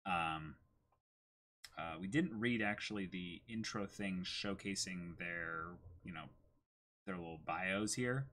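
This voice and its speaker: A man's voice: low voice, slow pace, sharp tone. A man in his twenties chatting casually as co-host of a livestream. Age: 20s. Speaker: streamer and co-host. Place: small room, indoors.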